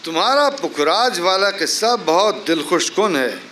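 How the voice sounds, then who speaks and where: A man's voice: sits high, lively intonation, very fast, bright, forceful tone. A man giving an eloquent dramatic reading as an affectionate, reflective prisoner writing letters to his wife. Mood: wry, amused. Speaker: dramatic reader. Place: outdoor garden festival stage. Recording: live outdoor festival, faint background noise.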